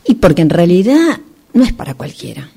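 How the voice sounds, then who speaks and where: A woman in an amateur radio play acting a smooth-talking, insistent female real estate agent, with theatrical dramatic pauses. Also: lowish voice, very animated, warm tone, heavily acted. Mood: mysterious, coaxing.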